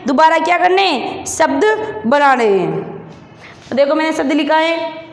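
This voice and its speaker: Slow high-voiced Hindi teacher in echoey room. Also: female voice, expressive. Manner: drawn-out word calls, repeated questions. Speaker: primary school teacher. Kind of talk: slow classroom drilling of syllables and words. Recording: echoey room with long reverb.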